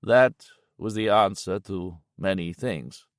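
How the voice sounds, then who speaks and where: A grim, white-haired old man who speaks in a quiet, lifeless monotone, as an audiobook narrator puts him on. The voice sounds set apart from the narration and lands low and heavy. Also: takes it slowly, no room sound, clean studio sound. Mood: grim, hollow. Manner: dull, lifeless, quiet delivery.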